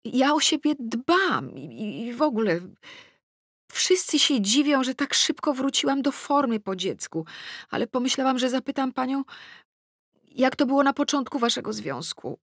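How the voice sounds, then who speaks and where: Young wife and mother for audiobook woman performer: raised pitch, chatty and a little smug, hesitant, needy. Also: big pitch swings, normal speed, fairly bright tone, dry recording, studio quality, exaggerated voice. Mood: chatty, airy. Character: Jola, fit young mother and anxious, clinging wife.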